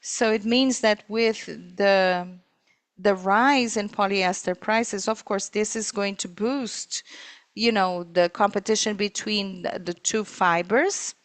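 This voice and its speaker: A woman interpreting live on a corporate earnings call, speaking in halting, piecemeal phrases. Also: medium pitch, steady tone, no echo. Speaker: simultaneous interpreter.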